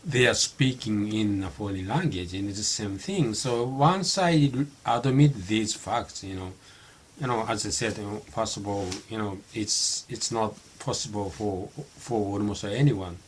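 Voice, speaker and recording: Middle-aged man, Japanese accent, fairly low voice, halting self-talk with fillers, slight hiss behind. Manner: halting, many fillers and restarts. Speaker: vlogger practicing English. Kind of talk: unscripted spoken monologue.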